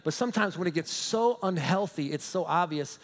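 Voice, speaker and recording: Pastor preaching: man, high voice, story-driven and emphatic, chuckles, echoey hall. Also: animated, fairly quick. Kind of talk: sermon.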